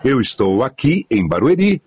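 An older man hosts a radio-style podcast from a small room at home, recorded remotely online. He's friendly and teasing, warmly interviewing with a broadcaster's delivery. His mid-range voice is sing-song, a little mellow, breathy-edged, and at normal speed.

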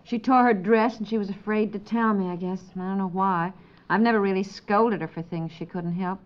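A woman's voice: medium pitch, fairly even intonation, brisk, close to an everyday voice. A woman playing a sensible, caring housewife and mother in a 1950s radio comedy, with natural, matter-of-fact conversational delivery. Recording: dull 1950s radio recording.

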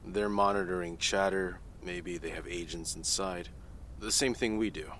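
A man playing a deep-voiced offhand analyst. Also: steady tone, normal speed, fairly bright tone, a little hiss or hum. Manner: casual, offhand, conversational. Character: candid, casual male government analyst. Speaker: CIA technical analyst testifying. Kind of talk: audio drama acting.

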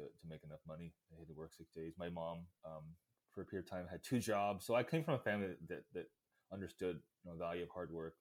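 A man from Vietnam speaking as a podcast guest, hesitant and reflective, with many uhs and ums. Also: low-pitched. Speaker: interview guest, real estate investor. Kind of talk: casual interview chat.

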